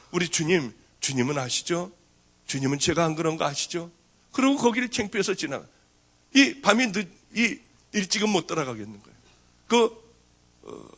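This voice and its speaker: A man's voice: fairly high pitch, a bit bright. A middle-aged man, a pastor, giving a testimony as a story and acting out the people in it. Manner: storytelling, acting out quoted speech. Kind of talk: testimony sermon.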